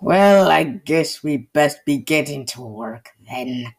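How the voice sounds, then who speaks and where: A woman's voice: low-pitched, animated, slow, a little mellow, breathy edge, full character voice. A woman voicing a grumbling animatronic pirate fox in an exaggerated, overacted cartoon fandub style. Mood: resigned.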